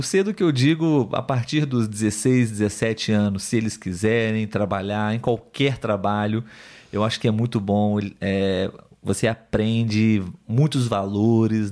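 A man with a Brazilian accent talking as the host of a language-learning live show, conversational and instructive, pausing to find words and often checking for agreement. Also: fairly low pitch, a little mellow. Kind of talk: conversational teaching, reading viewer comments.

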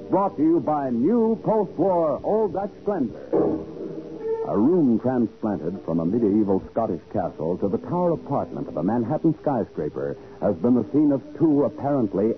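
Animated 1940s male radio announcer. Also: mid-range voice, a little slow, over loud music. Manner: theatrical, polished. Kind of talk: 1940s dramatic scripted narration. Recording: narrow, tinny 1940s radio recording.

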